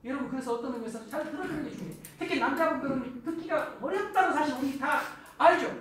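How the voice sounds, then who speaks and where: High-voiced man lecturing in echoey hall. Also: fast talker. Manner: animated, acts out quoted spouses in raised voice. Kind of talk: lively lecture to a live audience. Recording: echoey hall from far off, faint noise.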